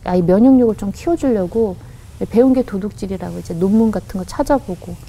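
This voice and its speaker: Woman, radio interview guest, earnest, halting restarts, warm mellow tone. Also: mid-range voice, slight background noise, rough recording. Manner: acts out quoted voices in her story. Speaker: guest, company head. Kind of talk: personal storytelling in a radio interview.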